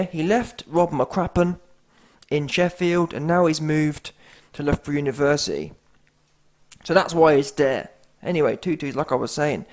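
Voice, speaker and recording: A man hosts a comedy reaction video with mocking, slangy banter. He talks in an animated way, and his voice sits a touch high for a man. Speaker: YouTube host.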